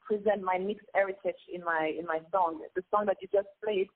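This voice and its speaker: Her pitch is medium and her intonation fairly even, and she speaks a little fast. The woman is a singer from Congo, Lingala her first language, reflecting earnestly in a relaxed interview and restarting hesitantly now and then, all heard through a tinny phone connection.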